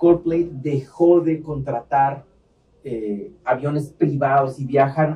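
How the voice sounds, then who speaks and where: In a Mexican accent, a man speaks very slowly, somewhat breathy, at a fairly high pitch. His tone is dark and mellow. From Mexico. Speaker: event venue manager. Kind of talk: podcast interview. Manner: animated, conversational.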